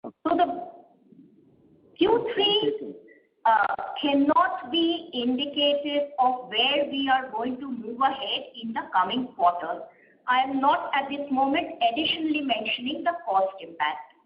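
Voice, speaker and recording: A woman, a company executive answering questions on an earnings call in a measured, explanatory way, pausing often with "uh". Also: high voice, lively intonation. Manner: measured, explanatory, frequent "uh" pauses. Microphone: conference call line. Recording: roomy, slightly muffled conference line.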